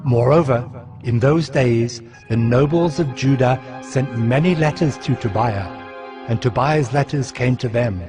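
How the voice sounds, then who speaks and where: A man playing a steadfast, devout ancient governor, narrating his memoir of scripture in a solemn, measured way. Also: mid-range voice, natural voice. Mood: solemn, resolute. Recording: music behind the voice.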